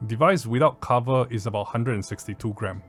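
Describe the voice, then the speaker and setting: A man with a Southeast Asian accent talks through an audio gear review in a casual, informal style. His pitch sits in the middle for a man, and his delivery is blunt and loosely sweary. Faint music plays behind him. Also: a little fast. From Southeast Asia.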